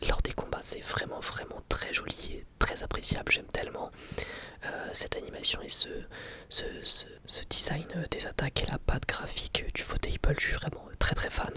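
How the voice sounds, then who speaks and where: An ASMR creator whispering a casual review, speaking haltingly in short phrases. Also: medium pitch, pushed and bright. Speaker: ASMR YouTuber reviewing anime.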